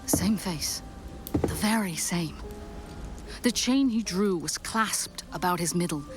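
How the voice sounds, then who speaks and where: A woman narrating an audio drama as a storyteller, with theatrical, deliberate phrasing. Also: on the low side, animated, over music.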